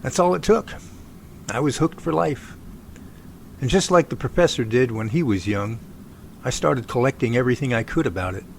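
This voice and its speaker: A man's voice: mid-range voice, expressive, moderate pace, vocal fry, long pauses, slight background noise. A man playing an easygoing young Bigfoot researcher from California in an amateur radio drama, with a folksy, wry manner. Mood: earnest, easygoing.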